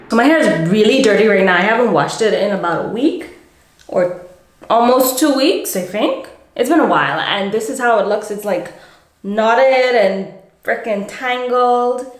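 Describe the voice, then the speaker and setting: A young woman casually talking through her hair-care routine for a vlog, chatty and often correcting herself mid-sentence. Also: fairly high pitch. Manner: chatty, self-correcting, talks through each step. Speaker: beauty vlogger. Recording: echoey home room, faint ambient noise.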